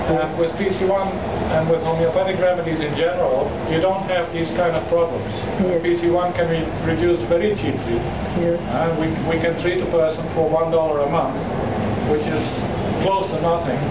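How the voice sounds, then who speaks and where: Over loud background noise, a man speaks at a moderate pace with long, frequent pauses. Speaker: interviewee. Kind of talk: interview answer.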